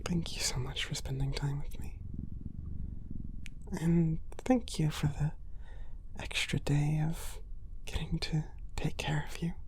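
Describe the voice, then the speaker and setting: A woman voicing a gentle, shy, affectionate cat boy in an intimate ASMR roleplay, whispering softly with hesitant, apologetic politeness. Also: low-pitched, steady tone, slow, pauses often. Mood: tender, grateful. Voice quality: soft, breathy whisper.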